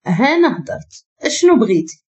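Woman playing a defiant Moroccan bride, high and lively voice, lo-fi sound. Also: fast. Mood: bitter. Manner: bitter, defiant. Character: tearful defiant young woman, forced bride.

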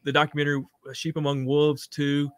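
A man co-hosting a show over a video call who talks eagerly and often pauses on "uh". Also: on the high side, completely flat delivery, a bit bright, clear, resonant tone, dry recording, studio quality. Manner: eager, hesitant, frequent "uh". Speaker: co-host. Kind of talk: casual video call conversation. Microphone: webcam on video call.

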